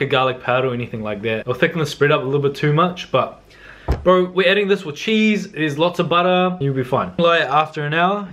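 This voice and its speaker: A man's voice: fairly high pitch, fairly bright tone. A young man giving a casual, slangy cooking demonstration in a laid-back way. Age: young adult. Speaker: cooking vlogger. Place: home kitchen, indoors.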